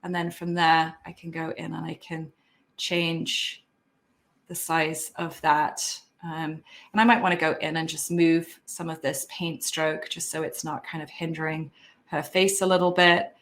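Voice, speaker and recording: Low-voiced woman demoing photo art software. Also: flat delivery, measured pace. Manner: chatty, sentimental, talks a lot. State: losing her voice. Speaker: guest instructor. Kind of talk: software tutorial demonstration. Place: home office.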